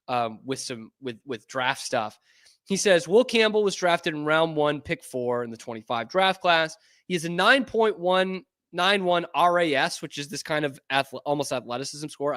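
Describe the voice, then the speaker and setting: A man from New England hosting a sports show, talking casually and getting excitable and profane. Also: fairly high pitch.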